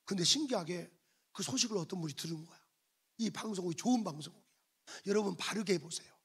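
Male pastor with a raspy voice, preaching to his church; keeps prodding the congregation for amens. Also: high voice, quick pace. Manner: emphatic, repetitive prodding of the congregation. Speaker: senior pastor. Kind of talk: sermon. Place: church sanctuary.

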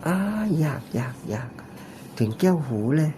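A man narrating an ear-cleaning demonstration, talking in a deliberately raised, soft, falsetto-like voice with chatty, joking asides. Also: expressive, slight background noise.

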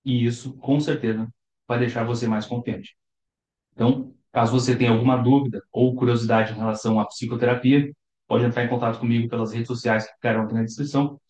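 A young adult Brazilian man, a psychologist, calmly explaining to the camera from his living room sofa. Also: medium pitch, fast talker, reverberant, rough recording. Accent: Brazilian Portuguese. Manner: calm, explanatory, gestures with his hands. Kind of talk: to-camera talk.

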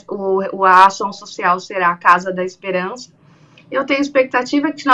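Bright-voiced woman on a video call. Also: medium pitch. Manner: animated, acts out quoted dialogue. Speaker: event organizer guest. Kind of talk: remote interview on radio-TV news show. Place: small room indoors. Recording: dull lo-fi video call audio.

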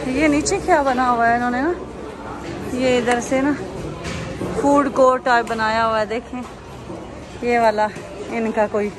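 Chatty woman vlogging through a crowd. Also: on the high side. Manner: chatty, exclaiming, talks to viewers while walking. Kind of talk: casual walking vlog narration. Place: busy outdoor expo grounds, then indoor pavilion. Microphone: handheld phone camera. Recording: crowd noise and music behind.

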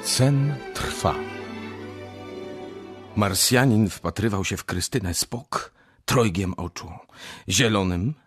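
A man's voice: fairly low pitch, slow pace, pauses often, husky. A man narrating a radio drama in a dramatic, scripted storytelling style. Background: music.

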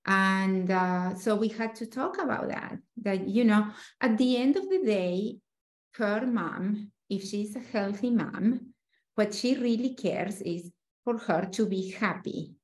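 A woman's voice: mid-range voice, takes it slowly. A woman in her forties, a dating coach hosting, talking animatedly on a video call. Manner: animated, gestures widely. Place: room with a painting, indoors. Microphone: video call webcam. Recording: echoey room.

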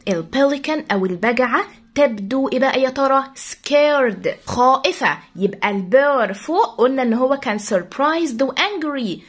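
A woman English teacher with an Egyptian Arabic accent explains a children's story quickly and reads the English sentences slowly. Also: sits high, expressive, breathy edge.

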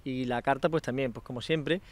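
A man's voice: medium pitch, steady tone, brisk. A man in his thirties, a chef and restaurant owner, explaining his work plainly in an outdoor interview. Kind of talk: casual interview. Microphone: handheld microphone.

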